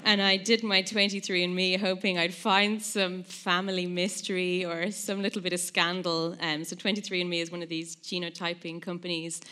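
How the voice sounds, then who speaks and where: Low-voiced Irish woman, self-mocking. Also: little pitch movement, normal speed, hardly any pauses, sharp tone, clean tone. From Ireland. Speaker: geneticist, panelist. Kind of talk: live panel discussion.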